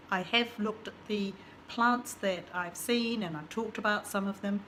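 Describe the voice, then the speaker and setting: A woman with a croaky voice, chatting enthusiastically as a vlog host. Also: mid-range voice, a bit bright, slight background noise. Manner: chatty, enthusiastic about plants. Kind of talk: casual vlog narration.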